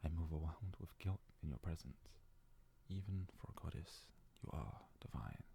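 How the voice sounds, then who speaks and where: A man playing a devoted, self-abasing young yandere fox-boy servant in an ASMR roleplay, worshipful and hesitant, often slipping into breathy whispers. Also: very deep voice, animated, normal speed, mellow, slight background noise, full character voice. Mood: awed worship. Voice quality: husky, gravelly, breathy, often dropping to a whisper.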